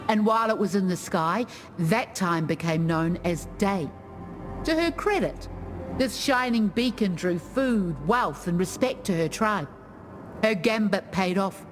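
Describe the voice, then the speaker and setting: Video game tribal lorekeeper, played by a woman: earnest, formal, unhurried myth-telling at medium pitch, music underneath. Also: close to an everyday voice. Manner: measured, formal storytelling. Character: tribal woman storyteller recounting her gods' myths, earnest. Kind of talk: video game character lore monologue. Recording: music behind the voice.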